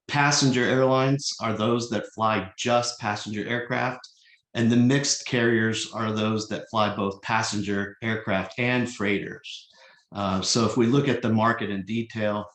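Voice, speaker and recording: A man giving a slide presentation at a virtual public meeting as a consultant, speaking in a measured, explanatory but halting and hesitant way. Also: on the low side, a bit bright. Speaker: consultant presenting an air cargo forecast. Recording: echoey, roomy voice pickup.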